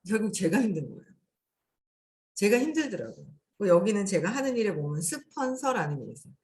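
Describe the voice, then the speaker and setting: A woman's voice: medium pitch, fairly quick. A woman hosting a casual spiritual talk, acting out quoted thoughts as she explains them. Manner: animated, acts out quoted thoughts. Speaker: host.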